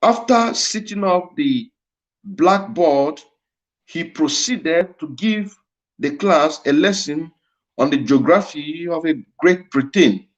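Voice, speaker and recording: High-voiced Nigerian man, slow emphatic lecture. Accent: Nigerian Igbo. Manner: emphatic, repeats phrases for weight. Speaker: speaker at a livestreamed address. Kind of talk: impassioned lecture. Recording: dull lo-fi stream audio.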